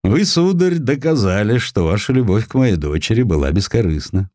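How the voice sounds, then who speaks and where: A dignified older gentleman, formal and courtly, put on by a male narrator for an audiobook. He speaks deliberately, with the pitch rising and falling widely. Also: very animated, no echo, clean studio sound. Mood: pleased, formal.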